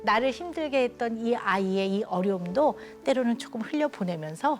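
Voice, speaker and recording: A woman speaking as a child psychiatrist guest on a TV talk show, telling an emotional story in an earnest, warm way and acting out the people she quotes. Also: fairly high pitch, lively intonation, a little fast, soft background music. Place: TV studio.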